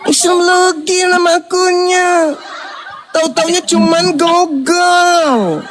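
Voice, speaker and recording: A man's voice: very high voice, steady tone, takes it slowly, very noisy. A man, hosting a heated livestream debate, mocking and scolding with bursts of laughter. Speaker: debate host.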